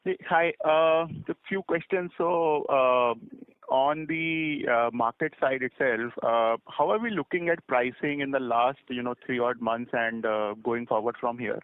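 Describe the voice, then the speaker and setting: Guy analyst on a phone call, mid pitch, dry thin sound, asks stuff in halting bits. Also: dry recording. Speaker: analyst asking questions. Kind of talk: informal question on a conference call. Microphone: telephone. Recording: dry, narrow phone line.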